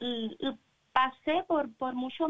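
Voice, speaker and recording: Ordinary pitch variation runs through the speech. The speaker is a woman. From Puerto Rico. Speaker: singer and teacher. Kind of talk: interview. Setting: phone call.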